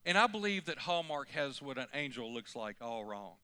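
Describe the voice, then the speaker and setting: A male pastor preaching a folksy, animated sermon, often climbing suddenly to loud emphasis. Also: mid-range voice, moderate pace, smooth, no echo.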